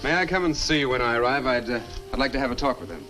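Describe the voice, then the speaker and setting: A man's voice: medium pitch, rapid-fire, close to an everyday voice, low-quality recording. An actor playing a concerned, sceptical young man in an old horror film. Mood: polite, concerned. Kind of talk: 1960 horror film acting. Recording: old film soundtrack with loud music.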